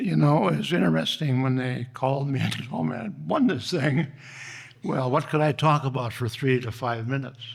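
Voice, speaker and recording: The voice carries vocal fry and swings very widely in pitch. It moves at a moderate pace. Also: man, medium pitch for a man. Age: 80s+. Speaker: retired teacher. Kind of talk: acceptance speech.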